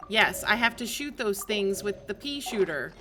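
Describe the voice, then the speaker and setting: A woman doing casual live gameplay commentary, playful, excitable and quick to react. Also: medium pitch, background noise. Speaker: game streamer. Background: game music.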